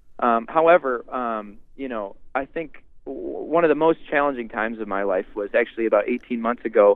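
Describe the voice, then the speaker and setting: Here a man has an unremarkable speaking voice at a medium pitch. He keeps a moderate pace with hardly any pauses and ordinary pitch variation. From Rockford, Illinois. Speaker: singer-songwriter. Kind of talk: interview.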